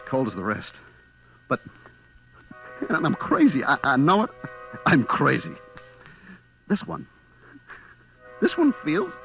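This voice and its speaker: An actor playing a desperate supermarket clerk trapped in the dark, confessing in halting, stammering old-time radio suspense style on a vintage recording. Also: male voice, mid-range voice, dull audio. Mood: frantic, unhinged. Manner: breathless, halting, stammering narration with repetitions.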